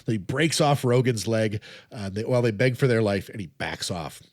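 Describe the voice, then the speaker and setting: A man's voice: lowish voice, normal speed, dry recording. Man recapping a film, dry close sound. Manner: steady recapping with frequent "uh" and laughs. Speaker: podcast host. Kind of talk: casual chat, recapping a film plot.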